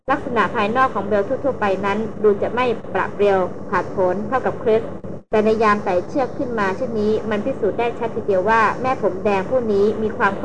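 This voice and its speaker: Woman narrating an adventure novel. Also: mid-range voice. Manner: steady, measured storytelling. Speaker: audiobook narrator. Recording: noisy recording with vehicle hum.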